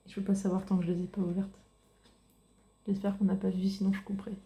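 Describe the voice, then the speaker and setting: Young woman, ASMR creator. Very dark, soft tone, flat delivery, casual and hesitant, roomy sound. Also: medium pitch, quick pace.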